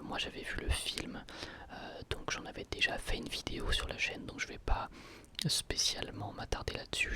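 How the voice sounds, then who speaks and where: A person giving a casual ASMR review in a soft, breathy, unvoiced whisper, hesitating and repeating words.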